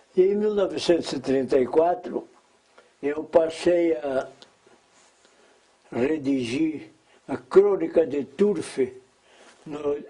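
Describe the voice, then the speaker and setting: A man with a fairly high pitch, a dark, mellow tone, ordinary pitch variation and a very slow pace. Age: 90s. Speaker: retired sports broadcaster and journalist. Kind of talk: interview.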